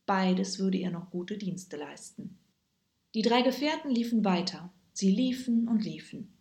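A woman reading a children's story aloud with lively, expressive storytelling. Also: medium pitch, a little slow. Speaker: narrator. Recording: echoey room.

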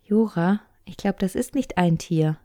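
A woman voicing a brave, quick-thinking little girl in a storybook reading, speaking eagerly and insistently. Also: no room sound, clean studio sound, close to an everyday voice. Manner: eager, excited, high and insistent.

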